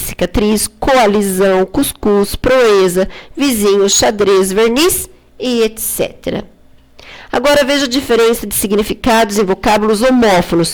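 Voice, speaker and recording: Brazilian teacher woman quizzing her class. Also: medium pitch. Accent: Brazilian Portuguese. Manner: explains patiently, asks questions and answers them herself; checks in often with "tá?" and "tudo bem?". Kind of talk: recorded spelling lesson for students.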